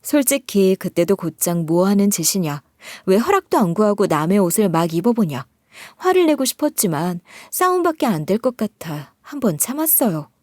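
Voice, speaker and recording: A woman's voice: mid-range voice, very animated, normal speed, darkish tone, no room sound, clean studio sound. A woman narrating a first-person story in an aggrieved, confiding way.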